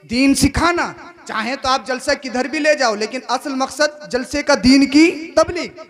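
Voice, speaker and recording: A male preacher giving a sermon, swinging between shouted exhortation and quiet, conversational asides, often asking the crowd questions. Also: very high voice, measured pace. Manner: keeps asking the audience questions. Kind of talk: sermon at a religious gathering.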